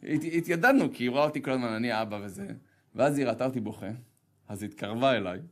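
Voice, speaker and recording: A rabbi giving a sermon, telling a personal story with humor and acting out the voices of others. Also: male voice. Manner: animated, humorous, self-deprecating storytelling; acts out dialogue with sharp pitch jumps.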